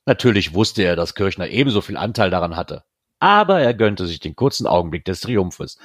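Narrator: man reading a novel aloud, low-pitched, steady, dry close sound. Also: a little fast, no room sound. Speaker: reader.

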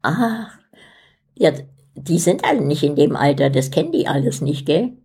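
Hoarse older woman in her eighties, low and rough-voiced, a lively storyteller. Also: normal speed. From East Germany. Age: 80s. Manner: chatty, laughing, lively storytelling. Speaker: interviewee, host's mother. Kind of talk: casual chat.

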